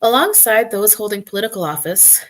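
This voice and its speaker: A woman hosting a casual livestream chat who has a croaky voice and laughs often while greeting viewers. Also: mid-range voice, expressive, a little fast. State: croaky voice with a cough. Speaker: livestream host.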